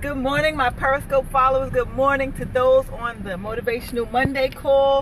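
A woman talks at a moderate pace. The sound is dry with no echo, but with noticeable background noise. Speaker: business coach. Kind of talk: motivational talk. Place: car. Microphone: phone near.

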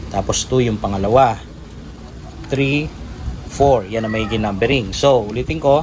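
Medium male pitch with ordinary pitch variation, a moderate pace, long, frequent pauses and noticeable background noise. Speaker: solar DIY video creator. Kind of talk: tutorial.

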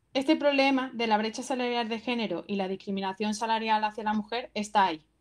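A woman speaks with an Andalusian accent in a high voice with ordinary pitch variation. The background is quiet. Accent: Andalusian (Málaga). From Spain, Málaga (Torre del Mar, Andalusia). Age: 20s. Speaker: economics PhD student. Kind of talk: interview.

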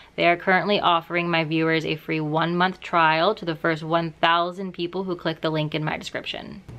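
A woman's fairly low voice at a moderate pace, monotone and flat, with hardly any pauses. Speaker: video creator vlogger. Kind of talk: casual vlog chat.

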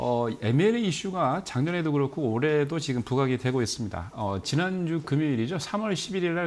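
A plain, everyday voice with lively intonation goes along at a moderate pace. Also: man. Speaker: stock market analyst. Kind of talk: market commentary. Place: studio. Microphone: lapel.

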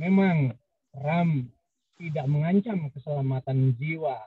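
Recorded dry with no echo, a man speaks very slowly in a fairly high, somewhat breathy voice with a dark, mellow tone. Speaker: event opener. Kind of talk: formal opening speech. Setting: video call. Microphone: video call.

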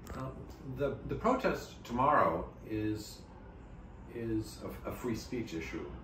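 Noticeable background noise sits under the voice. Speech comes at a fairly slow pace, with long, frequent pauses. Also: man. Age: 60s. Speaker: cellist and climate activist; interviewee. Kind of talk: interview answer. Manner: hesitant, many fillers. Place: home room. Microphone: camera far.

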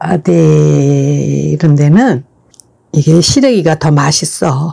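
The pace of this woman's speech is very slow. All around her, the background stays quiet. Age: old. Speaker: mukbang cooking creator; mukbang host. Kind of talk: casual eating show chat. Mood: warm, cheerful. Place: home room.

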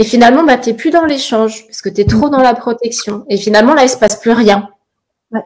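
The woman's voice is fairly high, with ordinary pitch variation. She talks very fast against a quiet background. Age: 40s. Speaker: Bach flower therapist; live stream co-host. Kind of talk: live stream conversation. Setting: live video stream. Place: home room. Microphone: webcam.

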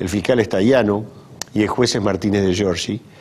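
A man speaks with a Rioplatense accent. His pace is moderate. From Tandil, Argentina. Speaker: lawyer. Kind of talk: interview. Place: studio. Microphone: lapel.

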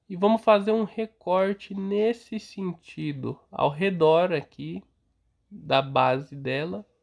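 Ordinary pitch variation at a very slow pace. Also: man, high pitch for a man. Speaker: YouTube clay modeling creator. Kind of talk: tutorial. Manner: casual and conversational.

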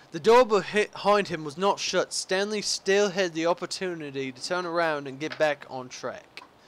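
A man puts on a character voice with a British accent, pitched high and sounding strained, at a moderate pace.

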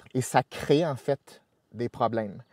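Speaking with a Quebec accent, a man talks at a medium pitch and a fairly slow pace with ordinary pitch variation. The sound is dry with no echo, and the background is quiet. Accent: Québécois French. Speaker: speaker and content creator; speaker, content creator. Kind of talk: promotional announcement. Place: studio. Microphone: lapel.

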